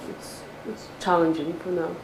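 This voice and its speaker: A woman with a Cantonese accent answers technical questions in a lecture hall. Her replies are quick and direct, and she explains with examples. The room is echoey, with a faint hum underneath. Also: lowish voice, fairly even intonation, gravelly. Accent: Cantonese-accented English. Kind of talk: academic Q&A after a talk.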